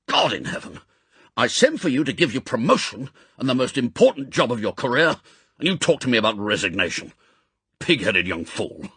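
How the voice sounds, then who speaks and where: Audiobook role: elderly male spymaster, done by a male reader, gruff, brusque, impatient, with a husky edge. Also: medium pitch, very animated, normal speed, fairly bright tone, dry recording, pitched above the performer's own voice, full character voice. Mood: angry, exasperated. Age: older. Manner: brusque, authoritative, clipped commands. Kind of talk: audiobook character acting.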